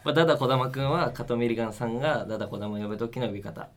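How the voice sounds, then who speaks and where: A young man hosting a comedy radio show, loud and excitable with quick retorts. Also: medium pitch. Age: young adult. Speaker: radio host.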